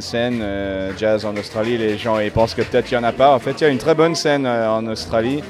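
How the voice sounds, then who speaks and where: A man rattles off his words very quickly, his pitch moving in an ordinary way, with noticeable noise in the background. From Australia, Melbourne. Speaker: jazz pianist. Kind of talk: interview. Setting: jazz club.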